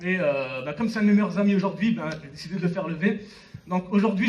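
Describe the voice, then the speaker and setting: A young man in his twenties delivers a motivational speech from a stage, picked up from some distance. His voice sits high for a man, and he talks straight to his listeners with personal anecdotes and frequent short check-ins. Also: fairly bright tone. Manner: direct audience address with repeated check-in tags. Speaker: motivational speaker at a network marketing conference. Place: on stage in a conference hall. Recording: live stage talk, distant from mic.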